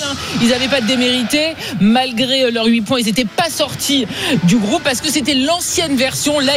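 A woman's voice: sits high, background noise. A woman hosting a live football broadcast, addressing her co-presenters and correspondents. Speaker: radio sports show host.

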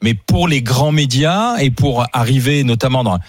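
A male radio host leading a studio discussion, chatty and quick to jump in. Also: medium pitch, no echo. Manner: chatty, jumps in often. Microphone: studio microphone.

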